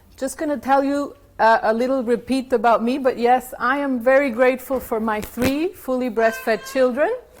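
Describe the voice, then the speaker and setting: This woman has a high pitch with ordinary variation, speaking at a moderate pace with hardly any pauses. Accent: slight Mexican. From Mexico. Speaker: lactation consultant. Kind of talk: lecture.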